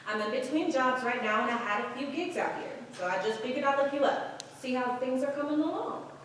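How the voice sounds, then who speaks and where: A woman's voice: high-pitched, fairly quick. A woman acting a sassy, skeptical African American performer of the 1950s in a staged play reading. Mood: teasing, skeptical. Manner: sardonic, animated. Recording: echoey hall from far off, faint noise.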